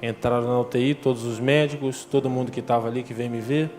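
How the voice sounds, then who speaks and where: A man's voice: medium pitch, fairly even intonation, quick pace, darkish tone, faint music behind. A man giving a personal testimony in church, telling his story vividly and acting out the dialogue. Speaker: testimony speaker. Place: church hall, indoors. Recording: echoey church hall with ambience.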